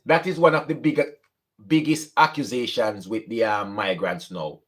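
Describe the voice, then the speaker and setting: A young Jamaican man with a strong accent chats casually to his channel, moving between standard English and patois. His voice is fairly low with a fairly bright tone, and he talks at a moderate pace.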